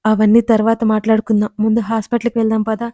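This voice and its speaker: Lady doing a worried dad begging gently, mellow voice. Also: fairly high pitch, monotone, fast talker, dry recording, natural voice. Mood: pleading.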